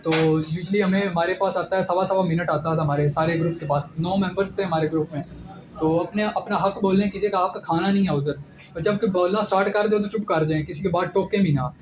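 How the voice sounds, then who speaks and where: A man's voice: high-pitched, fairly even intonation, brisk. A young man giving direct, instructive advice in an informal lecture about his selection-board experience. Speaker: ISSB candidate giving advice. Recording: echoey room with clear background noise.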